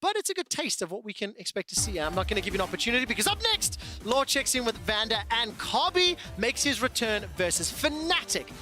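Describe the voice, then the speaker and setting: A play-by-play esports caster calling the action with excitement, then settling into analysis. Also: mid-range voice, soft background music. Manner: excited, rapid hype calls rising into analytical chat. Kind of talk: live esports commentary.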